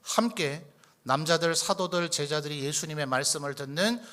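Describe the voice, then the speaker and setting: A man's voice: on the high side, moderate pace, pushed and bright. A male pastor preaching a sermon in church, asking rhetorical questions and acting out quoted lines from scripture. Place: church sanctuary.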